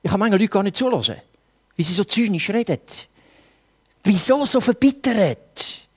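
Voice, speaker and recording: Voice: mid-range voice, expressive, normal speed, slightly rough. A preacher with a Swiss German accent, delivering a sermon with earnest rhetorical questions addressed straight to the listeners.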